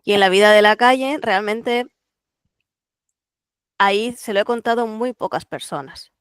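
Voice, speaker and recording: A podcast guest whose first language is Catalan explains things in a thoughtful, unhurried way, leaning on small fillers as the thoughts come. The voice is smooth and clear, mid-pitched, recorded close and dry with no room sound. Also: female voice, no room sound. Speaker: guest translator. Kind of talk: relaxed podcast interview.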